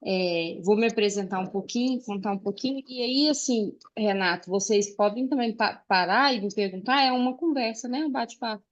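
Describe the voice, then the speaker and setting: A woman's voice: fairly high pitch, dull audio. Earnest woman in her 40s. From Uberlândia, Minas Gerais, Brazil. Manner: earnest, pausing often with "é" and "né". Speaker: guest speaker. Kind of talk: personal testimony in a friendly chat. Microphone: video call.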